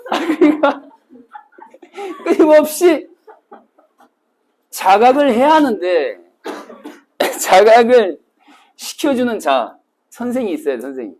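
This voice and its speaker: A man teaching a cram school Korean class, telling stories vividly and acting out scenes with sudden shouts. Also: very high voice, big pitch swings, takes it slowly, pauses often. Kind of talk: classroom lecture to exam retakers.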